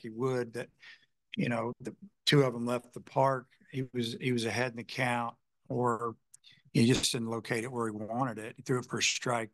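A man's voice: mid-range voice, fairly bright tone, dry recording. Man coaching, rambling postgame answers. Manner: rambling, heavy on "you know" fillers and restarts. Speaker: head baseball coach. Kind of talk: postgame press conference answers.

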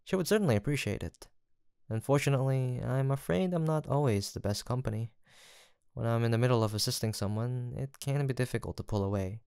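A man playing a gentle, earnest apothecary in a fantasy audio roleplay, soft-spoken, formal and courteous, with some hesitation. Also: medium pitch, fairly quick, vocal fry, clean tone, dry recording, clean studio sound, natural voice. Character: gentle, earnest, guilt-haunted male apothecary in fantasy village. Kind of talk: soft, sweet roleplay acting addressed to the listener.

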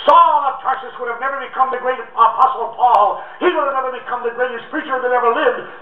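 A male preacher delivering a sermon in a rhythmic, alliterative cadence, slowing and dropping low for emphasis. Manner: slows and drops low for emphasis. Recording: tinny, far-off, echoey old recording.

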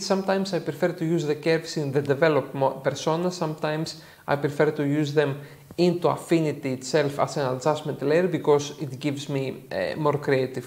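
A young man speaks English with a clear Greek accent, walking through a software tutorial one step at a time. He sounds earnest and explanatory, often pausing with a quick "uh" before going on. He is recorded in a dark indoor studio. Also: a little high. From Greece. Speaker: photo editing tutor.

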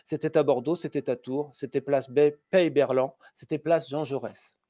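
A man in his fifties interviewing an author over a video call, halting often with filler sounds and restarting his sentences. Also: mid-range voice, steady tone, warm tone, no room sound, clean studio sound. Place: room with posters behind. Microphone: webcam on a video call.

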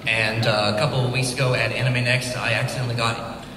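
A man's voice: medium pitch, flat delivery, fast talker. Man, stand-up comedian, casual comic chat, distant mic, reverberant noisy hall. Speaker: stand-up comedian, panel guest. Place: large convention hall stage. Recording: echoey hall from far off, loud noise.

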